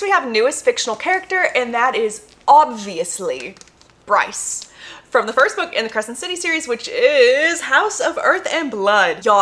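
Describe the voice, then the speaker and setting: Animated, high-voiced young American woman, gushing. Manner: gushing, emphatic, repeats phrases for effect. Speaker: book reviewer vlogger. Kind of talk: casual enthusiastic vlog chat to viewers.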